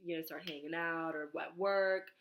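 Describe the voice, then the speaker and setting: A young woman under the weather, her stuffed-up voice sitting somewhat low and a little raspy. She walks through her presentation slide by slide, reading the points aloud and filling gaps with ums and small restarts. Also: fairly even intonation, normal speed, phone-quality sound, a little hiss or hum. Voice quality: slightly raspy. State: nasal congestion, under the weather. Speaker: student presenter. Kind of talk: recorded class slide presentation.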